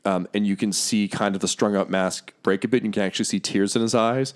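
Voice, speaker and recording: A man runs a tabletop role-playing game, walking the players through the rules at an easy pace. His voice is slightly low, and he fills the gaps with ums and uhs. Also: brisk. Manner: relaxed, explains rules with fillers. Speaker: game master.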